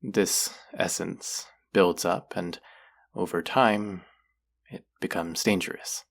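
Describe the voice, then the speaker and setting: An actor plays a caring clinic guide in a roleplay audio drama. The voice sits low, with a gravelly creak at the edges. The delivery is soft-spoken and concerned, gently scolding a patient while looking after them. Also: steady tone, slow, full character voice. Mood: patient, explaining. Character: caring, gently stern clinic guide who heals espers. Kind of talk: roleplay audio drama, speaking softly to the listener.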